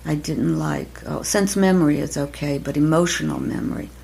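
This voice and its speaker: Soft-spoken older woman, low gravelly voice. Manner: soft-spoken, halting, many pauses and restarts. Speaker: acting teacher, podcast guest. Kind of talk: reflective interview conversation.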